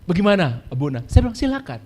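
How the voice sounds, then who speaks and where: A man's voice: sits high, big pitch swings, fast talker, a little mellow. A male pastor preaching a sermon in speech, telling stories, acting out quoted voices and repeating key phrases.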